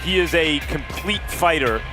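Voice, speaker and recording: A man's voice: a little high, expressive, a little slow, loud music behind the voice. A man giving boxing analysis on a broadcast, speaking plainly and bluntly with some fillers.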